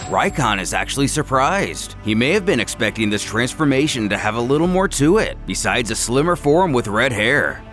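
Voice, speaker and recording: Dramatic male narrator, very animated pitch. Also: moderate pace, few pauses, over music. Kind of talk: dramatic scripted story narration.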